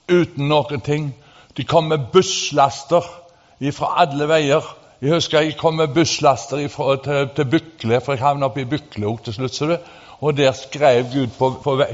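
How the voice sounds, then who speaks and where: Male preacher, fervent testimony, halting with restarts, muffled lo-fi sound, long hall echo. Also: medium pitch. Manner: animated, rising to fervent emphasis. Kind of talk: sermon testimony storytelling.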